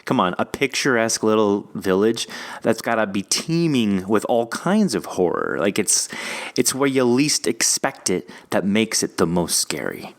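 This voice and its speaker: A man's voice: lowish voice, sing-song, measured pace. A man hosting a podcast interview in casual conversation, rambling through questions and asides. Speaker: podcast host.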